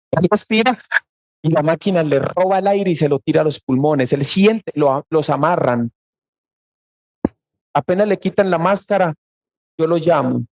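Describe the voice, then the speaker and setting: A Costa Rican pastor, a man, preaching a sermon with a slightly high, gravelly voice. He tells the story earnestly. His voice rises sharply when he quotes other people. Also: darkish tone. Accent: Costa Rican Spanish.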